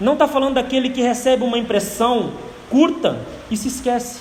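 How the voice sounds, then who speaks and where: Over noticeable background noise and audible room echo, a man speaks in an animated tone at an extremely high pitch. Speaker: bible teacher. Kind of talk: sermon. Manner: fast.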